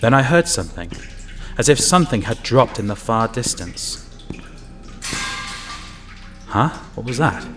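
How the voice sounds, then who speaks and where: A man's voice: medium pitch, big pitch swings, a little slow, pauses often, music in the background. A man playing an uneasy utility inspector alone in the sewers, narrating an audio drama and musing to himself. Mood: uneasy, wary. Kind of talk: first-person narrated audio drama with muttered asides.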